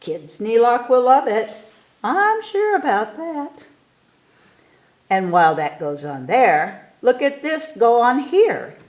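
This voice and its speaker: A woman reading a rhyming picture book aloud to children in an expressive, theatrical way, stretching key words for emphasis. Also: a little high, slow. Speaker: story time reader.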